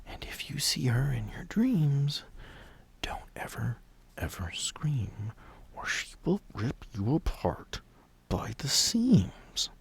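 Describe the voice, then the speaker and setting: A man voicing a disturbed female asylum patient in a tabletop horror game, slow and ominous, moving between breathy whispers and frantic cries. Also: medium pitch, big pitch swings, pitched above the performer's own voice, full character voice. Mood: hushed, eerie. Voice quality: breathy hushed whisper rising to loud cries.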